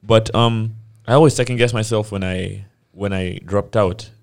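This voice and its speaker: A man's voice: lowish voice, steady tone, normal speed, creaky. A young man co-hosting a podcast, talking candidly and asking questions in a loose, slangy way. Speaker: podcast co-host. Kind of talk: casual podcast interview.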